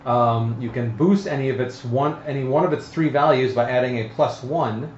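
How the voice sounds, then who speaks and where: A man explaining board game rules to a group in a halting, casual way. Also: mid-range voice, a little mellow. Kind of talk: casual tabletop game chat with rules reading. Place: indoor room, group around a game table. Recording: roomy, dull lo-fi live stream with noise.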